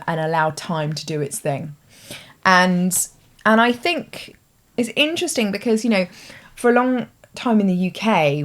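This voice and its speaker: A British woman hosting her own show, explaining ideas in a thoughtful, conversational way with hedging asides. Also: deep voice. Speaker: host. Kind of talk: explanatory talk to camera.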